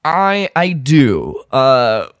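A man's voice: medium pitch, wildly swooping pitch, drawn-out words, smooth, dry recording, studio quality. A man co-hosting a podcast, giving a casual, jokey recap of a story and slipping into mock dialogue. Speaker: podcast co-host.

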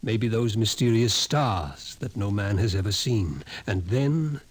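An actor playing a wry, doom-saying psychology professor in a 1950s radio drama, dry and theatrical, on a vintage recording. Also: male voice, fairly low pitch, animated, a little slow, husky. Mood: grave, ominous. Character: scrawny male psychology professor, wry, ominous doomsayer.

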